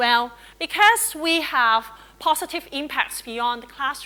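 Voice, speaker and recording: Using a raised, projected voice, a woman speaks high-pitched at a fairly slow pace. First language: not English. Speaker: university lecturer giving keynote. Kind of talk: conference keynote speech. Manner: conversational, interactive.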